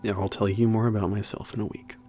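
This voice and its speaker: A man playing a teasing werewolf trainer with a bit of an attitude in an ASMR roleplay, gravelly, casual and hesitant in his banter. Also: fairly low pitch, little pitch movement, fast, warm tone, soft background music, lightly acted. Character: teasing, gruff-edged male werewolf trainer at a spaceport. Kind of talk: ASMR roleplay, naturalistic one-sided conversation.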